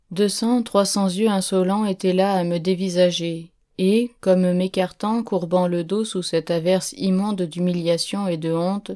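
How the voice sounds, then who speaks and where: A woman reading a literary audiobook in a steady, measured first-person narration. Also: lowish voice.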